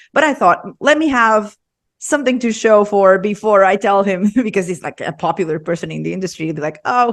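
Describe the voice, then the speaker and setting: A woman hosting a relaxed podcast chat, with a voice of ordinary pitch for a woman. She sounds bubbly and laughs often between her questions. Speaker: podcast host. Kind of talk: casual podcast interview.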